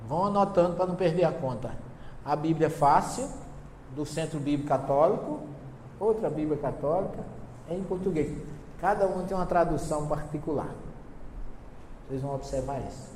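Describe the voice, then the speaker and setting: A man with a Northeastern Brazilian accent lectures to a live audience, telling stories with lively energy, acting out conversations and putting questions to the crowd. His voice sits a bit higher than most men's. He is recorded in a large hall with a long, echoing reverb and faint background noise. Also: moderate pace, pauses often. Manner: lively storyteller, acts out dialogue, asks the audience questions. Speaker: lecturer on Bible translations.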